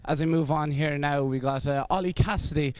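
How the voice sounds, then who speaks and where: Male presenter, quick and a touch high, dry close sound. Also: steady tone, darkish tone, clean tone, no echo. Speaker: event presenter. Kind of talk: live interview wrap-up.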